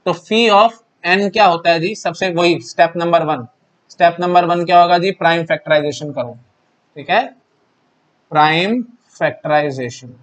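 Indian male tutor, young adult, conversational whiteboard lecture, slightly high-pitched, keeps checking in with "okay". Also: normal speed. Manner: chatty, repeats "thik hai" and "ji", asks and answers his own questions. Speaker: exam-prep lecturer. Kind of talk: Hindi-English mixed whiteboard lecture.

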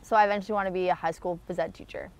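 Speaking very fast in a fairly low, even and slightly mellow voice, a young Canadian-accented woman from small-town Ontario is interviewed as an athlete out on a sports field. She keeps it informal and slangy.

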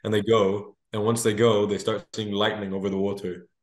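A teenage man from Greece chatting as a guest on a video-call interview, talking in quick, animated bursts with many restarts. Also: lowish voice. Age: teens. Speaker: guest singer. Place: small room indoors. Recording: echoey room on video call.

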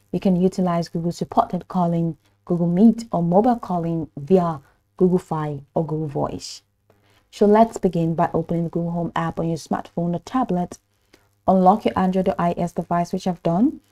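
A woman gives a step-by-step tutorial voice-over. Her voice sits a little low and has a very mellow, soft-edged tone. She explains in an instructional way and hesitates here and there. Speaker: tutorial narrator. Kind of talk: step-by-step software tutorial narration. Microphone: voice-over for screen recording.

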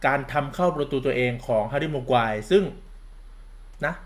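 A man's voice: medium pitch, lively intonation, measured pace. A campy man gives a sarcastic, crude-mouthed football commentary rant, calling himself big sister. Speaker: football vlogger.

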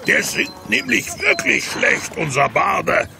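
Creaky high-voiced childlike big warrior. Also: male voice, wildly swooping pitch, slow pace, noisy background, full character voice. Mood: eager. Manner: naive, boisterous. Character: big, childlike, brawl-loving Gaulish warrior. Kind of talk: comic cartoon audio play.

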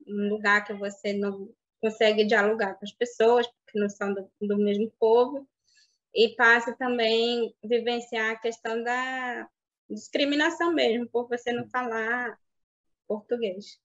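A woman in her thirties whose first language is Baniwa, telling her life story in an interview, reflective and halting, over a video call. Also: a little high, fairly even intonation. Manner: reflective, halting with restarts and soft fillers. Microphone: webcam on video call. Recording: dull lo-fi video call audio.

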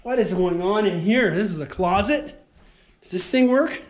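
A man, excitedly talking to viewers while exploring an empty abandoned house on an action camera. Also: high-pitched, normal speed. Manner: excitable, keeps calling out to viewers. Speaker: urban explorer vlogger. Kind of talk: casual exploring vlog to camera. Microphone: handheld action camera.

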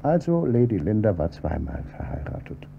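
An actor playing an insistent police inspector in a German radio crime drama, questioning in a measured, pointed way. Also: male voice, fairly low pitch, big pitch swings, vocal fry. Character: probing male police inspector, calm and insistent. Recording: dull old radio recording with faint hum.

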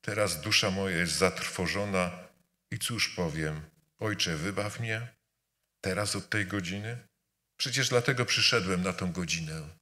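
A man with a fairly low but bright, forceful voice delivers a sermon in a church. He builds his points through repetition, swinging between loud appeals and hushed words. The long reverb of the church hall trails after each phrase. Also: unhurried. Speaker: preacher. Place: church during a service.

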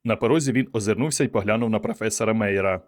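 A man narrating an audiobook in a steady, measured reading voice. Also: on the low side. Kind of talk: scripted narration.

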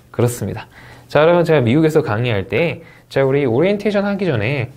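A man's pitch rises and falls widely as he gives an animated, recorded English test-prep lecture. When he reaches the English model words, he draws them out slowly and with care.

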